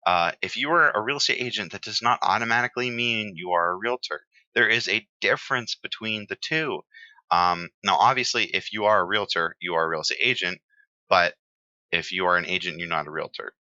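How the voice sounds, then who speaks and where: A very low-pitched man explains exam vocabulary in a loose, friendly lecture and fills his pauses with lots of "uh" and "um." His voice has a very bright, forceful edge. The recording is dry and a little dull. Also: dry recording. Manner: relaxed, chatty, many fillers. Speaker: exam prep teacher.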